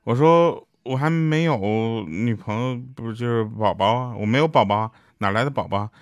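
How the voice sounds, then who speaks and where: A young man reels off short comic stories in a lively, bouncy delivery. He jumps his pitch up sharply whenever he quotes someone else. His voice is mid-pitched and sits close and dry, with no room sound. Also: normal speed, no echo. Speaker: joke teller. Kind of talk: telling short comic anecdotes.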